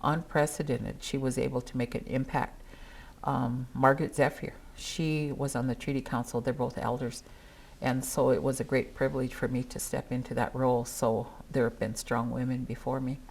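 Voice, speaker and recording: An older woman whose first language is Dakota, speaking at a gathering in a measured, earnest way with pauses. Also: extremely low pitch, fairly even intonation, vocal fry, a little mellow, low-quality recording. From South Dakota, USA. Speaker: treaty council member.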